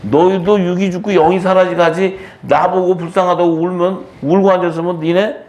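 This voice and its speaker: A man's voice: sits high, fairly even intonation, moderate pace, darkish tone, muffled recording, pitched above the performer's own voice. A male preacher voicing Jesus as a grown man rebuking weeping followers with scolding, insistent questions.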